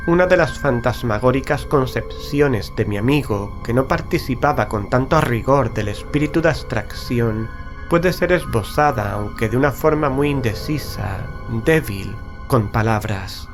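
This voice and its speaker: Male narrator, gothic horror audiobook, solemn, measured delivery, careful diction, music behind. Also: mid-range voice, lively intonation. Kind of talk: dramatic literary audiobook narration. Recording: background music under studio narration.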